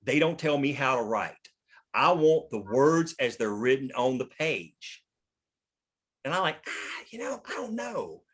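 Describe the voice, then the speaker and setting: A man's voice: mid-range voice, very animated, a little slow, a bit bright, husky. Emphatic man talking shop casually. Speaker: screenwriter leading a script table read. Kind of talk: casual discussion.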